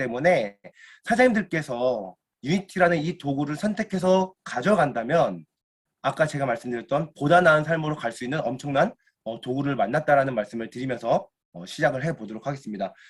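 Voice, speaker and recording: A somewhat breathy, fairly high male voice with very wide pitch swings and big swings in loudness. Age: 30s. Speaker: network marketing distributor. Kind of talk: motivational seminar talk. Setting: video call lecture. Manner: frequent fillers.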